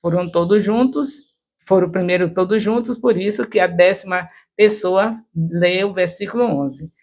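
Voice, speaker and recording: A man teaching a church group how to stage a choral Bible reading, explaining slowly with many repetitions and self-corrections, and reading the verses out in a more declaiming tone. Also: sits high, a little mellow. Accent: Brazilian Portuguese. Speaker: discipleship teacher.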